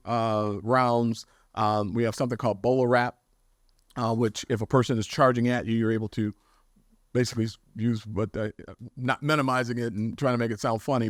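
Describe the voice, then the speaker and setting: A man serving as police chief addresses a press briefing. His voice sits at a middle pitch and he talks in a measured way, full of fillers and restarts. The sound is close and dry. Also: no room sound. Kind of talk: press conference remarks. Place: city press briefing room.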